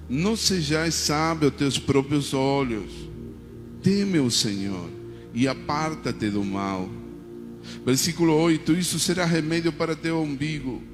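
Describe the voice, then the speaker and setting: In a large hall, a medium-pitched Argentine pastor preaches in his native Spanish with an Argentine accent. His sermon includes call-and-response prayers with the congregation and frequent cries of "amém."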